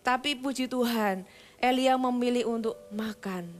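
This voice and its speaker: A woman's voice: fairly high pitch, unhurried. A woman pastor preaching a sermon in an earnest, conversational way, speaking straight to her listeners.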